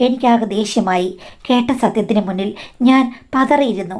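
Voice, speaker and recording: A woman narrating a scripted life story in a steady, measured way. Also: fairly high pitch.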